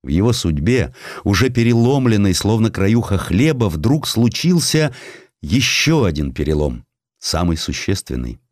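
A man narrating historical tales as a literary audiobook, with an expressive, dramatic storytelling delivery. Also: lowish voice, measured pace, dry recording, studio quality.

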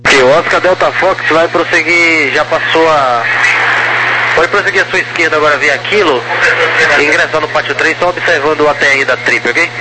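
A man's voice: fairly high pitch, normal speed. Male air traffic controller on crackly radio. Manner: clipped procedural instructions. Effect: crackly radio transmission. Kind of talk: aviation radio phraseology. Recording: crackly, noisy aviation radio.

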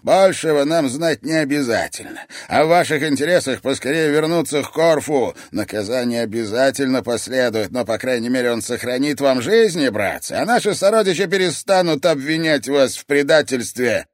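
Brief: male narrator voicing a sneering villain, taunting, loud and raised, dry sound. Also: mid-range voice, animated, normal speed, no room sound, voice pushed up, close to an everyday voice. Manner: sneering, hissing, mocking. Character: mocking cold male villain brother.

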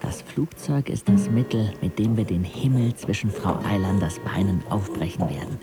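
A man's voice: fairly low pitch, lively intonation, moderate pace, over loud music, natural voice. An actor playing a sardonic, observant sixteen-year-old disabled boy who narrates a radio drama frankly and reflectively. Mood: matter-of-fact.

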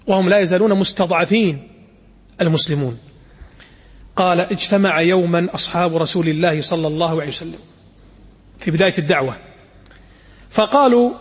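A man teaching a religious lesson, retelling the story with animated dialect asides. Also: sits high, breathy edge. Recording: echoey hall with long reverb.

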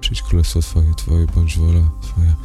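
A man's voice: low voice, monotone, moderate pace, mellow, faint music behind, lightly acted. A man voicing a defiant young woman. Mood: praying. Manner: furious, spitting curses.

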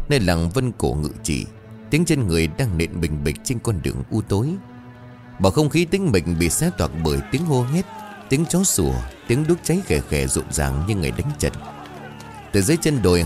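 A man narrating a scripted horror story dramatically, with soft music behind him. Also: low-pitched. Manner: dramatic, with rising tension.

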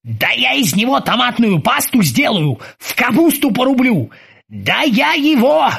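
A woman's voice: medium pitch, sing-song, moderate pace, vocal fry, a bit bright, breathy edge, voice pushed up, heavily acted. A woman voicing an irritable, self-pitying male ship captain who rants in exclamations. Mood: furious. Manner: exclamatory, ranting.

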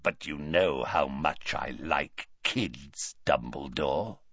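A man voicing a savage werewolf with a rasping bark, slow and leering, in a dull, dry recording. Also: rumbling low, fairly bright tone, dry recording, pitched below the performer's own voice, exaggerated voice. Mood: menacing.

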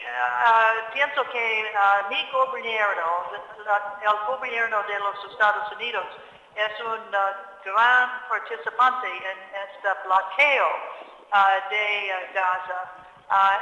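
An older woman with an American accent works her way through Spanish, her native English slipping in between long "ah" pauses. Her voice is slow and bright. It sounds echoey, as if recorded in a hall, on a dull lo-fi line. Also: mid-range voice. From United States. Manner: halting Spanish, many drawn-out "ah" fillers, slips into English words. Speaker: guest activist. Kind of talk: radio interview.

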